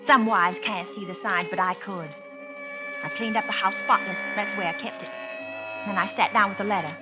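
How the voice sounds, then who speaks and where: An actress playing a bitter, suspicious small-town wife in 1940s radio acting, sarcastic and resentful. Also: female voice, medium pitch, sing-song, moderate pace, music in the background, close to an everyday voice, rough recording. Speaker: narrator and lead character.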